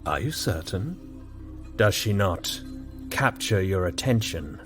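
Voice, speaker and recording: A man narrator voicing a stern, jealous king who speaks quietly and menacingly. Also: sits low, expressive, takes it slowly, faint music behind. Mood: cold.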